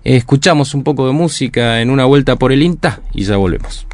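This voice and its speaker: A man hosting a radio interview in a relaxed way. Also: mid-range voice, a little fast. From Argentina. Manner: relaxed, backchannels often. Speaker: radio host.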